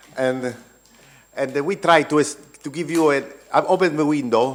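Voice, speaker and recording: The speaker has a Roman Italian accent and fairly even intonation. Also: man. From Rome, Italy. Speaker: retired army officer, panel moderator. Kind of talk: panel moderation. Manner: halting.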